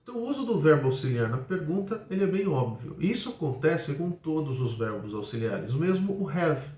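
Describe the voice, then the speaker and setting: A man's voice: on the high side, sing-song, darkish tone, distant mic. Brazilian man teaching in an echoey room. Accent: Brazilian Portuguese. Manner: explains clearly, models English sentences slowly. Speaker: English teacher. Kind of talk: video lesson in Portuguese.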